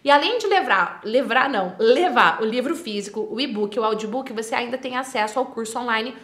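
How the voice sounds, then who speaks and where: A woman's voice: on the high side, lively intonation, fairly quick, fairly bright tone. A woman with a Brazilian Portuguese accent, a persuasion mentor teaching straight to camera with energy, asking herself questions and answering them. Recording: roomy echo.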